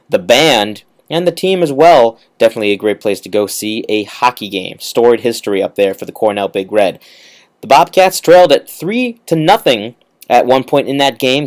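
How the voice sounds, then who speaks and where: A young man hosting a college radio sports show, delivering a recap in an announcer style straight to listeners. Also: medium pitch. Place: radio studio, alone.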